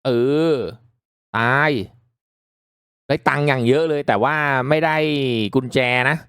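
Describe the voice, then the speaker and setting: A man giving casual, reactive commentary as he hosts a mobile game playthrough, chatting politely to viewers with excitable exclamations. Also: a little high, measured pace, no room sound, clean studio sound. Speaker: gaming video host.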